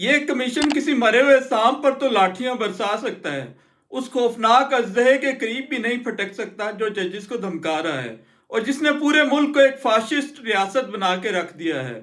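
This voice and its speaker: A man's extremely high-pitched voice with lively intonation. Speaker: political commentator / news show host. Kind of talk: political commentary monologue to camera.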